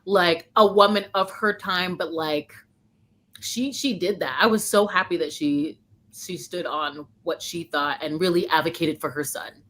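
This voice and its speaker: Woman, slightly low voice, gushing book-club panelist, rambling and informal. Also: unhurried, fairly bright tone. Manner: effusive, rambling, peppered with "like". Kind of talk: casual chat, gushing about a novel.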